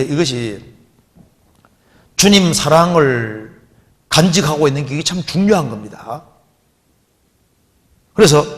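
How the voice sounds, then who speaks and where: Man, pastor, sermon, rhetorical questions, scripture quotes, long reverb trailing his voice. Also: a little high.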